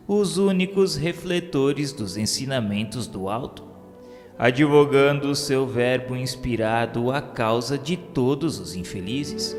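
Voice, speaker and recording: Slow, reverberant Brazilian male narrator. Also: medium pitch. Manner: measured, formal, literary delivery. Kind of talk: solemn scripted narration of a religious radio novela. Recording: long reverb with music bed. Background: music.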